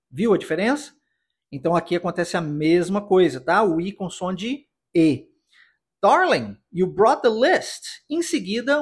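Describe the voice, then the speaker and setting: A Brazilian English teacher with a husky voice, patiently explaining pronunciation step by step in a podcast lesson. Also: mid-range voice, darkish tone. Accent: Brazilian Portuguese.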